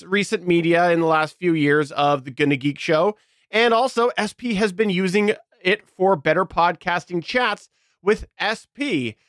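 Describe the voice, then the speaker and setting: A man's voice: sits high, a bit bright, dry recording, studio quality. A man co-hosting a podcast, chatting casually about recording gear and laughing often. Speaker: podcast co-host. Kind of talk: casual tech chat.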